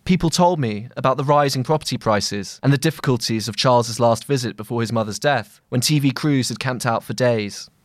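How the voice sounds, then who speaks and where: A man with a mid-range voice reads a long-form journalistic essay. His phrasing is measured and deliberate, as scripted narration. The sound is dry, with little trace of the room. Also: medium pitch, dry recording. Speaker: journalist narrating own long-read article.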